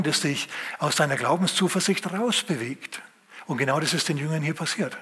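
A man preaching a sermon, retelling a scripture story vividly with dramatic pauses and acted-out quotes. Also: on the high side, a bit bright, husky.

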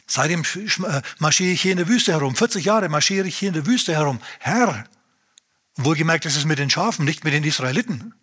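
A man preaching a lively sermon, retelling scripture in a conversational way and acting out the dialogue. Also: on the high side, fairly quick, husky. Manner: animated, acts out dialogue in a conversational tone.

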